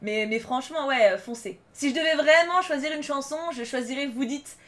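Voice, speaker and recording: A woman's voice: high-pitched, fairly quick, a bit bright. A young woman vlogging casually, enthusiastic and rambling, with many fillers and restarts. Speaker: YouTuber. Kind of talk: casual vlog countdown.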